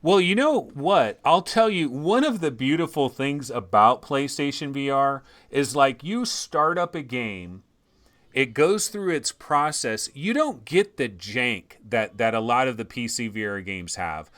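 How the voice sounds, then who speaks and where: A man hosting a livestream, chatting casually in excitable bursts and swearing freely. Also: mid-range voice, a little slow. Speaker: livestream host. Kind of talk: casual chat.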